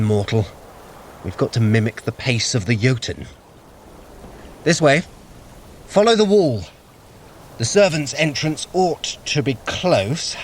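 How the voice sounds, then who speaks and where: A man playing a sly, haughty trickster god in an audio drama, guiding a mortal with theatrical, quick-witted delivery. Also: medium pitch, slight background noise. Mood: urgent, commanding.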